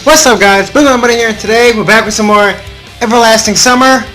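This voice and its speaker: A man's voice: high voice, fairly even intonation, brisk, over music. A young adult man hosting a casual gaming video, reading story text aloud informally with offhand asides and the occasional stumble.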